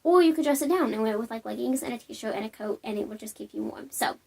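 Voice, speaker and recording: Brief: young woman hosting a knitting vlog, slightly sniffly, friendly chatty delivery, a bit high. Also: fast, vocal fry, darkish tone, slightly rough. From Alabama, US. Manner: chatty, upbeat, lots of ums and likes. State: sniffly from a cold. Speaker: knitting podcast host. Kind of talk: casual show-and-tell vlog.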